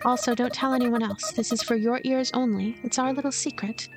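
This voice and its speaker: A woman's voice: a little high, fairly even intonation, a little fast, music in the background, lightly acted. A woman voicing a lonely, cynical, manipulative girl who narrates a visual novel in a detached, coaxing way. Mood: coaxing, sly.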